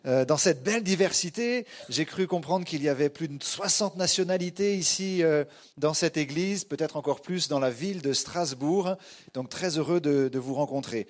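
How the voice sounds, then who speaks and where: A man's voice: a little high, normal speed. A man from France preaching to a congregation in a conversational, hesitant way, often addressing listeners directly. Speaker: guest pastor, church movement leader. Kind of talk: sermon to a congregation.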